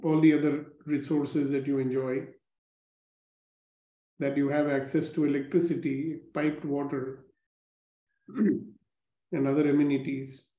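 A man leading a guided gratitude meditation, speaking slowly and calmly with repeated phrases. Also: a little high. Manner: slow, calm, repetitive instructions. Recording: roomy, dull lo-fi recording.

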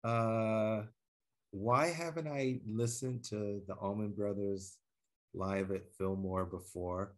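A man interviewing an author over a video call from his home office, asking thoughtful, halting questions. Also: fairly low pitch, fairly even intonation. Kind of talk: conversational interview.

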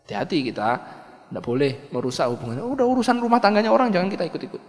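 A male Islamic preacher giving a conversational, animated sermon full of acted stories. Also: high voice, rapid-fire. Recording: echoey hall reverb.

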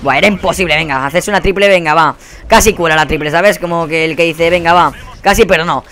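A young Spanish gamer narrates his match live, his voice sitting a touch high. He swears constantly and flips from grumbling to sudden yells of frustration. Soft game gunfire hums underneath. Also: fast, a little hiss or hum. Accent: Spain Spanish. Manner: profane, exasperated ranting with sudden yelled outbursts. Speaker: gaming channel host. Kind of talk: live gameplay commentary.

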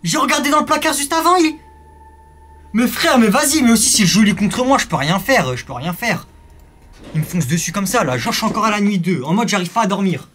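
Young male gaming commentator, jittery, high lively voice, faint background hiss. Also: fast. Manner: jumpy, swings from startled yelling to hushed muttering; French street slang. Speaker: gaming youtuber. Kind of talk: live horror game commentary.

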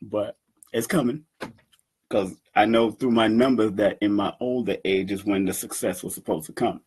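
A man in his fifties talking to his webcam from a room at home, animated and boastful, laughing often as he addresses his community. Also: lowish voice, normal speed, breathy edge, low-quality recording. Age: 50s. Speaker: event organizer and numerology teacher. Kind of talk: casual talk to camera. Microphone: webcam at desk.

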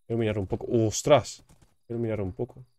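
Young man, relaxed gameplay commentary, warm darker voice, repeats himself. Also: on the low side, racing, no echo, clean studio sound. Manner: chatty, repeats words, jokey asides. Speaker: gaming YouTuber.

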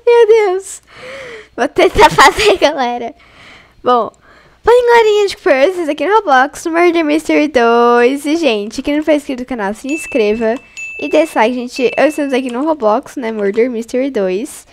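A young Brazilian woman commentating her own online game for her viewers, excitable and chatty, often squealing and laughing. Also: sits high, normal speed. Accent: Brazilian Portuguese. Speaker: gaming YouTuber.

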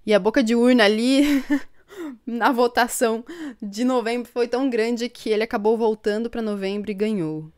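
Speaking into a desk mic in front of her, a young woman from São Paulo state, Brazil, runs a live stream chat for her book channel from a bookshelf-lined room at home. Her smooth voice is on the high side yet darkish, with a steady tone and normal speed. Chatty and upbeat, she laughs a lot and reads out viewers' comments.

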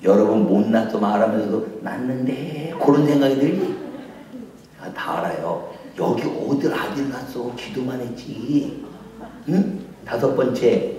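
A man preaching at a revival meeting as pastor, acting out conversations and breaking into shouts. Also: lowish voice, slight background noise. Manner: animated, shouts and acts out dialogue. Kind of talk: revival sermon. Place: large church revival meeting. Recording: echoey hall, mic from far off.

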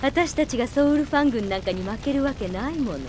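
Woman acting a bold, higher-voiced heroine. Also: animated, fast talker, darkish tone, a little hiss or hum. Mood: cool, taunting. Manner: assured, spirited. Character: bold, confident young woman fighter. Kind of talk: Japanese anime-style radio drama acting. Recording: music behind the voice.

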